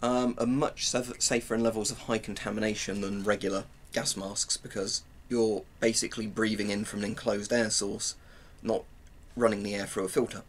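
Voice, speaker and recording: Low-voiced young British man, rambling casually. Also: level tone, normal speed. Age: 20s. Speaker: presenter of military gear reviews. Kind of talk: casual explanatory demonstration. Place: small cluttered room at home. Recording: clearly noisy home-room recording.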